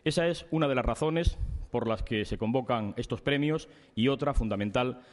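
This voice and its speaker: A middle-aged man giving a formal ceremonial speech at a podium microphone, measured and solemn, building his points in lists of phrases. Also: mid-range voice. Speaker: speaker at a club awards ceremony. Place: large indoor reception hall. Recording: reverberant hall via PA.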